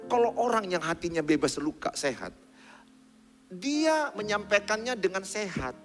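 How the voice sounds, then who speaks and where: A man preaching a sermon in a large church hall, lively and joking, addressing the congregation bluntly. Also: sits high, moderate pace. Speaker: pastor. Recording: long hall reverb, faint music.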